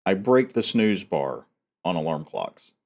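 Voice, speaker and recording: A man's voice: low-pitched, sing-song, measured pace, darkish tone. A man hosting a novel read-aloud, talking casually and reading in an audiobook style. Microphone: headset.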